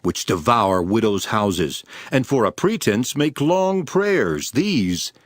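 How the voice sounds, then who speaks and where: A man playing Jesus as a solemn, authoritative teacher with measured delivery in a dramatized scripture reading. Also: fairly low pitch, big pitch swings, no echo, clean studio sound, exaggerated voice. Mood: stern, reproving. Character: Jesus, calm authoritative male teacher rebuking and instructing. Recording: voice over prominent background music.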